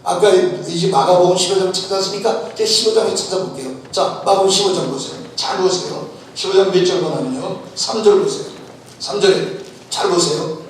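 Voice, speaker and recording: Male pastor, emphatic preacher, fairly high voice, caught from a distance in a big echoey church. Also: steady tone, brisk. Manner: emphatic, urging listeners to listen closely, many rhetorical questions. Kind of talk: sermon. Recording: echoey hall from far off, faint noise.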